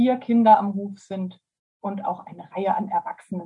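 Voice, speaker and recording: At a moderate pace, a woman with a medium pitch speaks in a dark, mellow, somewhat breathy tone with fairly even intonation. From Saxony, northern (Nordsachsen). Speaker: organic farmer. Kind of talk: personal storytelling. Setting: video call from farm office.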